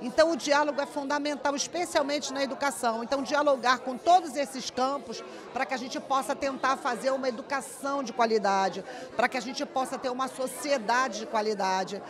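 An older woman answering an interview at an event, stressing single words slowly, with a handheld mic. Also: sits high, steady tone, a crowd in the background. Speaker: interviewee, religious representative. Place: busy indoor event venue.

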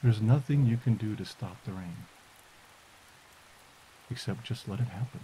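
A man softly and slowly guiding a meditation as podcast host, in a soothing delivery. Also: lowish voice, rough recording. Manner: soft, slow, soothing delivery. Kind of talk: guided meditation. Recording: hiss and rain noise. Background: rain.

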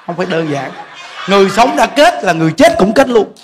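A man's voice: high voice, big pitch swings, fairly quick, a crowd in the background, noisy background. A man with a Southern Vietnamese accent, a Buddhist monk giving a humorous dharma talk, laughing often and speaking straight to his audience. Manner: jokey, laughing, addresses audience directly.

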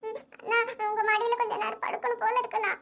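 A woman's voice: very high voice, flat delivery, very fast, sharp tone. A woman voicing a tearful, pregnant young village sister in a cartoon, crying and pleading with a childlike whimper. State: crying, sobbing. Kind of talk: cartoon voice acting.

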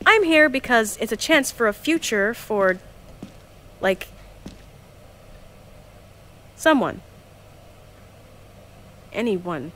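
A woman's voice: fairly high pitch, very animated, very slow, long pauses, fairly bright tone, a little hiss or hum, full character voice. An actress playing Jules, a cheerful, chatty young woman who organizes a time capsule team. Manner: bubbly, chatty, flustered. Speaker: narrator of time capsule recordings.

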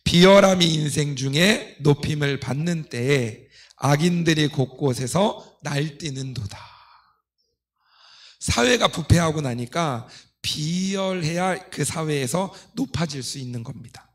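A middle-aged man delivers a sermon from a church pulpit in a somewhat high voice. He teaches step by step, explaining scripture to his congregation as their pastor. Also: lively intonation, a little slow. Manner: didactic, asking rhetorical questions and leading readings.

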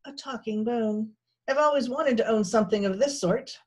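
A woman voicing a wily, smug male fox villain in a storybook, with a florid, gloating gentlemanly manner. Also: a little high, moderate pace, voice pushed up, close to an everyday voice. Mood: delighted. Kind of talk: storybook character voice.

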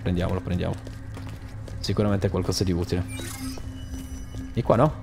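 A young man giving casual gameplay commentary, animated, swearing often and yelling at enemies, then muttering while he searches. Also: deep voice, moderate pace, gravelly. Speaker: gaming channel host. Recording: game music behind the voice.

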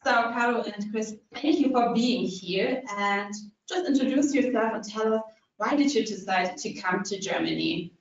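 A woman's voice: mid-range voice, normal speed. A woman presenting a webinar and moderating an interview in an upbeat, encouraging way. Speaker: webinar host. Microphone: video call. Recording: echoey distant muffled call audio.

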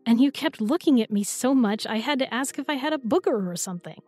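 A woman's voice: on the high side, expressive, a little fast, a little mellow, faint music behind. A young woman playing an affectionate, teasing new girlfriend in an intimate roleplay audio, with a playful, tender, coaxing manner. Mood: gentle, teasing.

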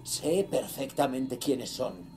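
A man's voice: medium pitch, expressive, slow pace, over music. An actor playing a ruthless cult leader reading his sinister diary in a horror audio drama, solemn, menacing and theatrical. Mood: bitter, vengeful.

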